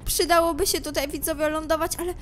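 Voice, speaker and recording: A woman commenting on a game she is playing. She speaks to her viewers, moving from hushed suspense to loud panicked shouting. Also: sits high, steady tone, fast, a little hiss or hum. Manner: talks straight to viewers, swings from hushed suspense to screaming panic. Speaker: gameplay commentator.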